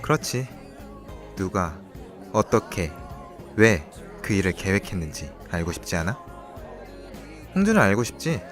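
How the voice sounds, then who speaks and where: A man playing a calm, manipulative young mastermind in a student radio drama, smug and measured. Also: sits low, soft background music. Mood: coaxing. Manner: smug, measured, quietly taunting. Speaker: scheming voice actor.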